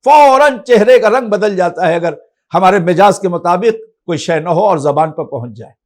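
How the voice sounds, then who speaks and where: A man's voice: sits high, animated. A man with an Indian Urdu accent preaching a memorial majlis sermon, addressing the congregation directly in rising and falling oratory. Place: studio.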